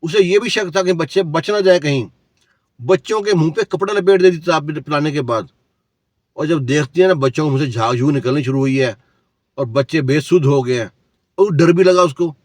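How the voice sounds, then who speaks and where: A man's voice: fairly high pitch, a little mellow, dry recording, studio quality. A man telling a cautionary story in a preachy, lecturing way, asking the listener rhetorical questions. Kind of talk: moralizing storytelling.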